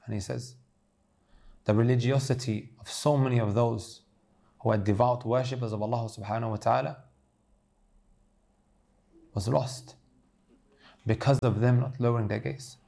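A man delivers an earnest sermon with a dark, mellow voice. He speaks directly to his listeners as brothers and sisters, steady and sincere. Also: mid-range voice, normal speed, creaky, long pauses. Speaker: preacher.

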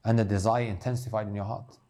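A man's voice: on the low side, steady tone, fast talker, dark tone. A man preaching an earnest sermon, addressing his listeners as brothers and sisters.

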